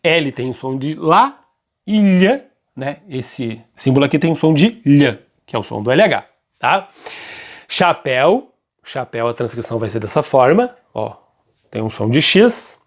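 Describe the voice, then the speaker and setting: A man teaching a grammar lesson, keeps checking in with his students and slows down to stress key points. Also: mid-range voice, sing-song. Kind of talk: classroom-style grammar lesson.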